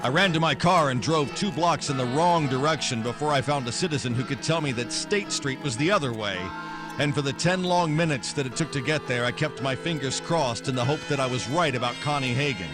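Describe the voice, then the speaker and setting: An actor playing a tough, wisecracking 1940s private detective in noir radio drama style, sardonic and clipped. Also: male voice, medium pitch, a little fast, over music, close to an everyday voice. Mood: wry narrating.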